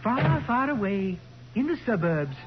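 An actor playing a henpecked, tipsy, middle-aged professor, stammering and prim in old radio drama style. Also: male voice, sits high, sing-song, a little slow, slight background noise. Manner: stammering, prim, fussy diction. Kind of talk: 1940s radio drama acting. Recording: muffled vintage 1940s radio recording.

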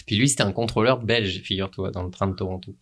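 A middle-aged man from France with a French accent, telling relaxed, rambling stories in a casual interview and laughing often. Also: deep voice, quick pace. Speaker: guest. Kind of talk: casual conversational storytelling.

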